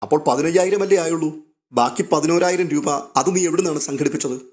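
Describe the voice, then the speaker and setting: A man's voice: a little high, fast talker, a little mellow, lightly acted. A man voicing a stern, commanding older father who heads the household. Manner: commanding, interrogating.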